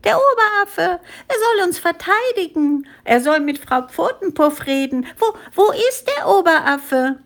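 A woman's voice: extremely high pitch, lively intonation, a little slow, creaky, few pauses, a bit bright, voice pushed up, exaggerated voice. A woman voicing small, innocent, frightened monkeys in a storybook, with a plaintive, anxious delivery. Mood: frightened, pleading.

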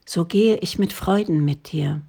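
Woman reading a shy, devout young woman, soft-spoken and slow. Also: lowish voice, creaky, husky, heavily acted. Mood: gentle. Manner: soft, quiet.

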